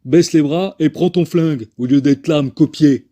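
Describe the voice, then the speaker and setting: A man's voice: on the high side, moderate pace, warm tone, natural voice. A man voicing a bossy, contrary cowboy in a parody western film dub, giving petulant, bickering orders.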